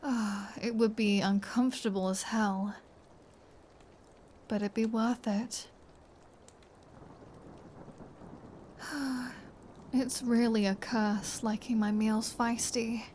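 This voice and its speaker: A woman's voice: fairly high pitch, steady tone, darkish tone, a little hiss or hum. A woman playing a taunting, flirtatious female vampire in an ASMR roleplay, teasing and sardonic with a wistful edge. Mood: flirtatious musing. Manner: slow, teasing, sardonic, with sighs and whispered phrases. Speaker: audio roleplay performer.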